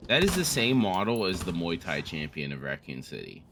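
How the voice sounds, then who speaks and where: A man's voice: deep voice, sing-song, normal speed, noisy background. A man co-hosting a gaming series, chatting casually and jokily as he rambles along with a friend. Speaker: co-host of a gaming let's play series. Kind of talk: casual chat over gameplay, bantering with a friend.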